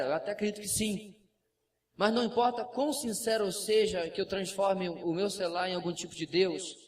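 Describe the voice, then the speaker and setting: A Brazilian pastor with a raised, high-pitched voice preaches a lively sermon with a Brazilian Portuguese accent. He is picked up by a distant mic in a church, with a faint hum of room noise underneath. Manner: lively preaching with asides and acted quotes. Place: church sanctuary.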